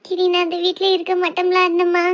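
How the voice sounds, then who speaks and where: A tearful young village bride from a comic skit pleads, as a woman acts her out. Her voice is very high and weepy. The recording sounds dull and lo-fi. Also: monotone, quick pace.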